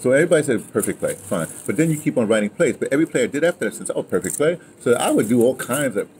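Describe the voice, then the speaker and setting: A man's voice: medium pitch, big pitch swings, racing, a little mellow. An older American man telling stories from his life in casual conversation, rambling and emphatic, recorded outdoors at a table. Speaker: interview guest, playwright and audio dramatist. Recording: noisy outdoor ambience on open mic.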